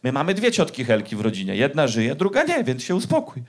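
A man's voice: mid-range voice, wildly swooping pitch, fast. A male comedian voicing an older mother who talks in a breezy, matter-of-fact way, in a noisy live recording. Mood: nonchalant. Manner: breezy, nonchalant.

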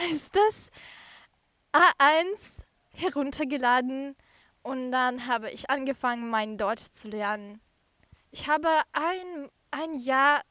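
Female podcast guest, high voice, halting delivery, dry close recording. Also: fairly bright tone, no echo. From Ukraine. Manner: halting, careful non-native phrasing. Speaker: podcast guest, career mentoring volunteer. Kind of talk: interview answers.

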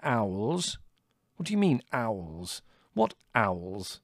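A man's voice: lowish voice, big pitch swings, extremely slow, dry recording, studio quality, pitched above the performer's own voice, exaggerated voice. A man voicing an irascible young older brother in an audiobook, biting, sarcastic and theatrically indignant. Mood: incredulous. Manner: biting, withering, exaggerated indignation. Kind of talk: audiobook character dialogue.

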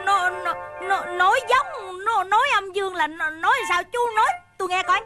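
An actress with a Southern Vietnamese accent playing a sharp-tongued, stubborn wife in a comic radio play, scolding and mock-threatening. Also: female voice, very high voice, moderate pace, over loud music.

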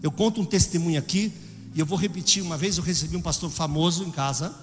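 Brazilian preacher in an echoing hall. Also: male voice, a little high, fast talker, soft background music. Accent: Brazilian Portuguese. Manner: dramatic swings from loud exclamations to hushed storytelling. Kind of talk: sermon.

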